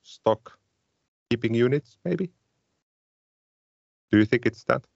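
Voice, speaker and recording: A man's voice: mid-range voice, expressive, slow, creaky, darkish tone, breathy edge, dry recording, lo-fi sound. A man with Finnish as his native language, co-hosting a casual tech podcast and talking thoughtfully with frequent restarts. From Finland. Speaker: podcast co-host.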